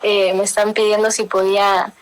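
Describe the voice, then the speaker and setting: A woman's voice: mid-range voice, flat delivery, normal speed, slight background noise, low-quality recording. A young woman with a Mexican-tinged Spanish accent, telling family stories in a casual interview and slipping in English words. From Miami. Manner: warm storytelling, mixing in English words, laughs often. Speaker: interview guest.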